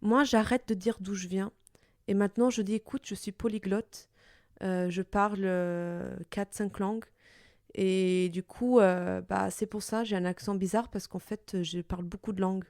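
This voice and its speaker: Warm, reflective woman with an Italian accent. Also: medium pitch, steady tone, normal speed, no room sound, clean studio sound. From Portugal. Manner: thoughtful, searching for words, frequent hesitations. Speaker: podcast host. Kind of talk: reflective personal monologue.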